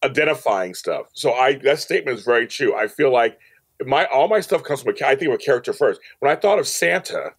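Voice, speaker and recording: A man who produces audio dramas appears as a podcast guest, sharing personal stories in a casual interview. He speaks at medium pitch with lively intonation and a fairly quick pace, emphatic and often repeating phrases for stress.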